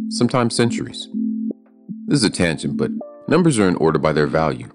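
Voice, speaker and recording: Very deep-voiced male podcast host. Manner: thoughtful, measured, musing aloud. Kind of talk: reflective podcast narration and interviewing. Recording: music playing behind the voice.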